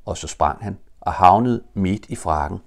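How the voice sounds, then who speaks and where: An older Danish man reading a children's storybook aloud with lively, expressive storytelling. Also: deep voice, creaky. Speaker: audiobook reader.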